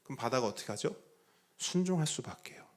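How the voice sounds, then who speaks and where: A man preaching a sermon as pastor. He asks the congregation rhetorical questions and moves between soft, low phrases and loud, emphatic ones. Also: lively intonation, quick pace.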